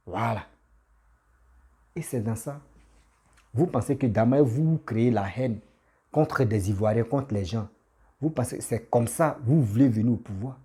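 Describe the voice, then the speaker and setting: A man's voice: mid-range voice, mellow, breathy edge. A man who has a cold, giving a casual, insistent political rant that scolds his listeners. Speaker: political commentator.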